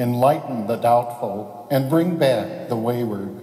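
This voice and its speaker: Audible room echo follows a man who speaks at a very slow pace. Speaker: priest leading Mass. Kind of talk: liturgical prayer. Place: church. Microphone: lapel.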